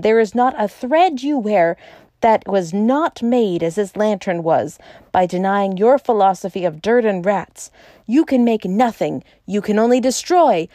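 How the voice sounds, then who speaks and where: A woman's voice: on the low side, a little mellow, dry recording, studio quality. A woman reading aloud and voicing a fierce, defiant young man who declaims in a thunderous voice.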